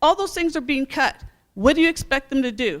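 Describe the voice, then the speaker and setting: A woman talks loudly. Her pace is fairly quick. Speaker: public commenter at city forum. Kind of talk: public comment at town meeting. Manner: animated.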